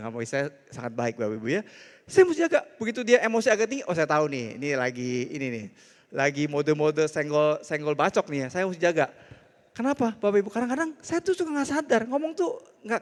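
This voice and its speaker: A middle-aged man, preaching a casual, jokey sermon as a pastor. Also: high-pitched. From Indonesia. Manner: animated, conversational, jokey. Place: church hall. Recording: hall reverb.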